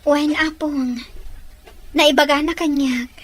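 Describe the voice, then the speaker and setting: A woman's voice: high-pitched, steady tone, takes it slowly. A woman with a Filipino accent playing a shy, polite young sweetheart in a radio drama. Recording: noisy ambience behind the voice. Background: crowd-like ambient noise.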